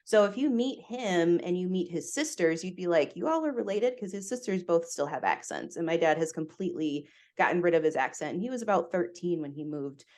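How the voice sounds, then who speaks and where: A woman guest on a podcast, speaking candidly and with animation in a relaxed interview conversation, from the United States. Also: lowish voice, fairly quick, hardly any pauses.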